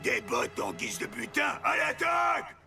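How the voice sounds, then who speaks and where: A high, gravelly pirate villain swoops wildly through each line. He is theatrical and excitable in full cartoon style, with loud music underneath. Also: a little slow, recorded from a distance, over a noisy crowd, full character voice. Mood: gleeful attacking. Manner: shouting, theatrical. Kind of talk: animated cartoon dub.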